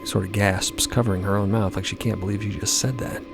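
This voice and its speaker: A man narrating an audio drama in a deliberate, suspenseful scripted style. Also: fairly low pitch, fairly even intonation, creaky, music in the background.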